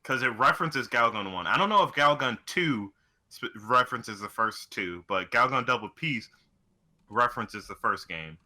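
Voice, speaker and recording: A man's voice: medium pitch, lively intonation, moderate pace, bright, forceful tone. A man co-hosting a casual chat about video games, telling things in a loose, informal way. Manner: informal, loose storytelling with mild swearing. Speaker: podcast co-host.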